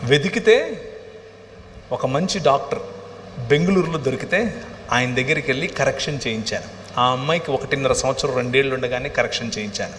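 A man's voice: mid-range voice, fairly quick, pauses often, fairly bright tone. A middle-aged man, a pastor, giving an impassioned sermon testimony that swells at times into cries. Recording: reverberant hall, faint ambient noise.

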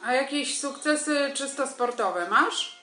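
An actress plays a stern female army major in a radio comedy. Her voice is bright and fairly high, with clipped, commanding, deadpan questions. It is a roomy home recording with some music. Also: unhurried, exaggerated voice.

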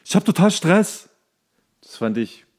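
A man's voice: high voice, very animated, measured pace, darkish tone. A man co-hosting a podcast, reacting to a show in casual, jokey banter full of mock-dramatic exclamations. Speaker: podcast host.

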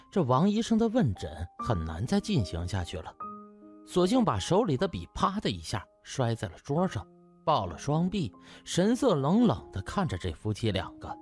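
A man's voice: mid-range voice, a little mellow. A man narrating a comic novel as a scripted audiobook, in a dramatic storytelling style.

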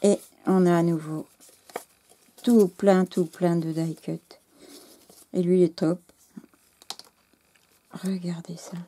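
Gushing in a casual chat to camera, the French host of a scrapbooking channel stumbles and loses her words while her voice grows hoarse. She sounds mellow and on the low side, keeping a steady tone.

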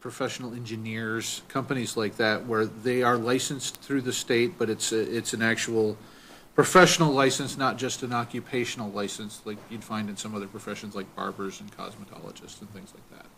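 A man, a business attorney on a panel, explaining legal business structures in a measured way to an audience in a council chamber. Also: on the low side, flat delivery, a bit bright, a little hiss or hum, low-quality recording. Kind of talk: answering audience questions on a panel.

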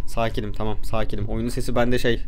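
A man's voice: lowish voice, flat delivery, fast, a little hiss or hum. A man commentating a horror game as he plays, easily startled, talking back to the game with joking curses. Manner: jumpy, talks back to the game, jokey swearing. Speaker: gamer playing a horror game.

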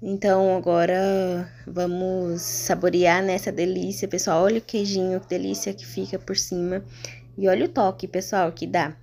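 A woman's voice: lowish voice, little pitch movement, moderate pace, vocal fry, a little mellow. Chatty Brazilian woman sharing a recipe. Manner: chatty, informal, often checking in with listeners. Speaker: home cooking vlogger. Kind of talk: casual recipe narration.

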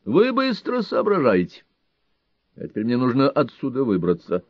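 A man's voice: mid-range voice, wildly swooping pitch, moderate pace, no room sound, highs cut off, voice pushed up. A man voicing a cocky young man who talks in a jaunty, grinning, familiar way. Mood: breezy.

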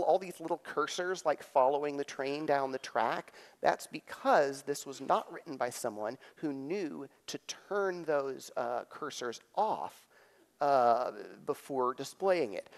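A middle-aged man giving a live technical keynote on stage, explaining in an animated way with frequent pauses and emphasis. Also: mid-range voice. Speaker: conference keynote speaker. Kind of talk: live technical presentation with demonstrations. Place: on stage in a theater, at a lectern. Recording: echoey theater hall reverb.

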